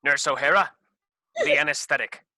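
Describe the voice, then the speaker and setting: A man's voice: fairly high pitch, normal speed, sharp tone, no echo, studio quality. A man playing a flustered, self-important doctor in a comedy sketch reading, grave and melodramatic. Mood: bossy urgency. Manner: hesitant stammer turning to bossy, melodramatic gravity. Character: flustered, self-important male doctor who operates on scripts.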